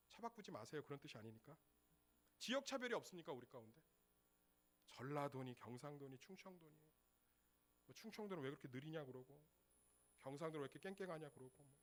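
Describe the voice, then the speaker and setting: A middle-aged pastor preaches in a lively, swooping voice that sits a little high for a man. He talks to the congregation like a conversation, tossing out rhetorical questions and having them repeat phrases back. His delivery is animated rather than solemn. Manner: leads congregation in call-and-repeat. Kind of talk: sermon.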